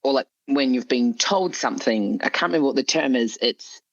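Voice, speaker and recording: A man's voice: mid-range voice, lively intonation, a little fast, dry recording, highs cut off. A man speaking as an author being interviewed, chatting casually in a rambling, hedging way. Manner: rambling, hedging with frequent "you know" and "like". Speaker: interview guest, horror story author.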